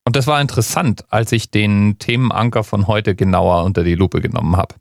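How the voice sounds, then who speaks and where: Low-voiced man explaining dialects. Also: fairly even intonation, a little fast, vocal fry, no room sound, clean studio sound. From Bavaria. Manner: conversational, explanatory. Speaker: host. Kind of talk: scripted explainer narration.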